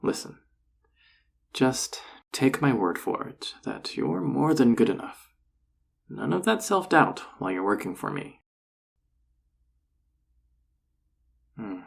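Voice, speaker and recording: Husky, unhurried flirty enchanter boss played by a man. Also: mid-range voice, full character voice. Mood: concerned, reassuring. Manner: teasing, reassuring, unhurried. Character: flirty male enchanter boss, warm and encouraging. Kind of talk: roleplay audio drama, intimate second-person acting.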